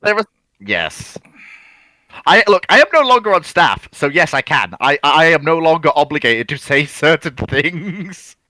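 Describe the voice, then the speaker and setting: Bright-voiced man on a panel. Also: fairly high pitch, very animated, a little slow, no room sound. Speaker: guest panelist. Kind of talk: casual explanatory discussion.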